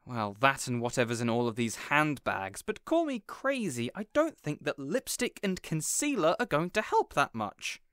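A man's voice: on the high side, wildly swooping pitch, moderate pace, hardly any pauses, fairly bright tone, dry recording, clean studio sound. A man playing an earnest, protective supervillain boss in an audio roleplay, dramatic and easily exasperated. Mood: despairing. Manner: earnest, exasperated, wholesome mild oaths. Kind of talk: audio roleplay addressed to the listener.

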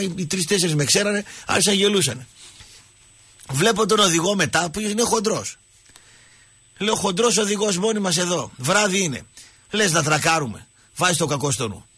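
A man hosting a radio show, telling jokey stories and talking with callers in an animated way. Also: sits high, slightly rough, no room sound. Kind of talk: casual radio talk.

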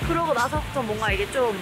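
A woman's voice: sits high, poor audio. Upbeat woman talking through a face mask. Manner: chatty, upbeat, laughs easily. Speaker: vlogger. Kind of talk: casual vlog talk to camera.

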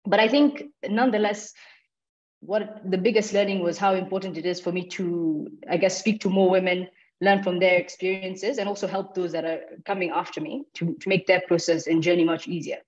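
A woman's voice: fairly low pitch, fairly even intonation, a little fast. A young adult woman founder reflecting on her fundraising, speaking on a video call from a home office with frequent fillers. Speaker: startup founder. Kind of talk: panel discussion on a video call. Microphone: video call with earbuds. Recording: dull lo-fi video call audio.

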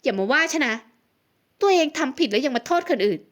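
A woman's voice: sits high, lively intonation, a little fast, dull audio. Woman voicing a feisty, snappish young heroine. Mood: defiant. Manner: defiant, snappish. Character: feisty young woman, stubborn and hot-tempered. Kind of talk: audiobook character voice.

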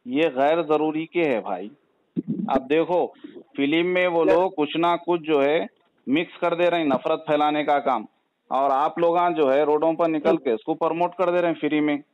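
A dull, lo-fi phone recording carries a fairly high-voiced man with a Hyderabadi accent. He calls to argue his case, pressing insistently and persuasively, often repeating himself. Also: moderate pace. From Hyderabad, India. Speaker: caller. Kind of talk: argumentative phone conversation. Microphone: phone call.

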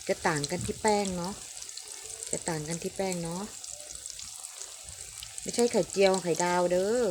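A woman's voice: lowish voice, fairly even intonation, moderate pace. An older woman, chatting to viewers while she demonstrates a home recipe and coaxes a grandchild to eat. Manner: chatty, addresses viewers, coaxes a child between steps. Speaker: home cooking vlogger. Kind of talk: casual cooking demonstration. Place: home kitchen. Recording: noisy frying sizzle behind. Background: oil sizzling in a pan.

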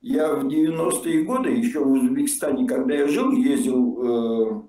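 An older man, a stranger on a video chat, argues casually in a blunt, mocking way and swears freely. His mid-range voice is mellow at a moderate pace, and the remote video call audio sounds distant and echoey.

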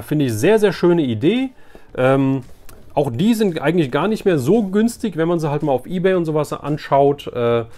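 A man with a medium-pitched voice hosts a collector's video. He chats casually to his viewers, rambling along with enthusiasm. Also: a little mellow. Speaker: toy collector, video host.

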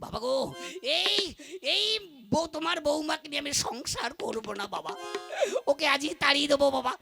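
Lady doing a young husband voice, melodramatic wails, high and gravelly, puppet show w folk music. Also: animated, moderate pace. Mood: complaining. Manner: wailing, melodramatic outbursts. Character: young husband, hysterical and wailing. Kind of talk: comic folk puppet play voicing. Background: folk instrumental music.

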